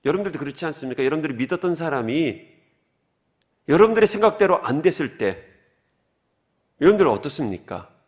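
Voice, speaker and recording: A man's voice: on the high side, big pitch swings, brisk, pauses often, a little mellow. A man as pastor preaching a sermon, who asks the congregation questions and explains the words of the text.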